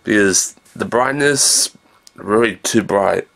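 A man in his thirties talks to a handheld camera in a small room. His voice is fairly low and full of gravelly creak. He takes his time, drifting slowly through everyday subjects in a low-key, casual way. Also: a bit bright. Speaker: vlogger. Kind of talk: casual rambling video diary. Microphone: handheld camera at arm's length.

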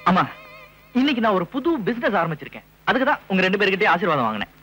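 A joking son dodging questions, high, husky, animated. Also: male voice, racing, faint music behind, heavily acted, low-quality recording. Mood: teasing. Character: cheeky young son, joking and evasive. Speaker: young son starting a business. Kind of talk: 1980s Tamil film comedy.

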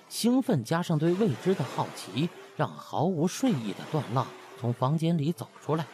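A man's voice: mid-range voice, darkish tone, slight background noise. A man narrating a comic audiobook in a colloquial, theatrical storytelling manner. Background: music.

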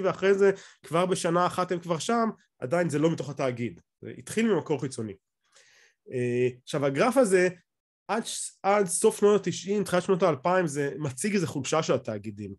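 A middle-aged man with an Israeli accent explains things in an off-the-cuff lecture on a video call, often restarting his phrases. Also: high voice. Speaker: academic lecturer. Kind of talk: explanatory lecture over slides, speaking off the cuff.

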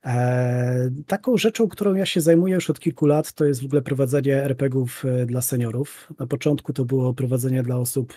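A man's voice: mid-range voice, fairly quick, few pauses, dark tone, breathy edge, no room sound. A man in his thirties chatting casually as a guest on a podcast, close on the mic. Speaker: guest game master. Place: indoor room, video call.

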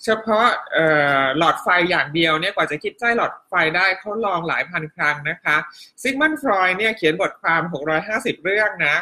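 A woman's voice: fairly low pitch, quick pace. A middle-aged woman teaching a casual live online class, chatting and reading viewers' comments aloud in a friendly teacher's manner. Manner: chatty, warm teacher tone, polite particles, frequent laughs. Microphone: home live-stream setup.

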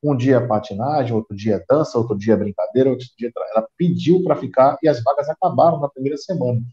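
A man's voice: mid-range voice, quick pace, dark tone. A middle-aged Brazilian man on a video call, explaining at length with frequent restarts. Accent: Brazilian Portuguese. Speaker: guest. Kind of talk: casual chat on a video call. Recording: roomy, dull video call audio.

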